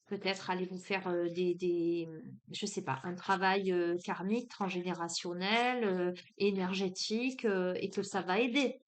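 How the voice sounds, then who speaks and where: A woman reads oracle cards for a spiritual reading in a southern French accent, moving from hesitant, filler-heavy speech to an emphatic delivery. Her voice is lowish and steady, and her pace is a little slow.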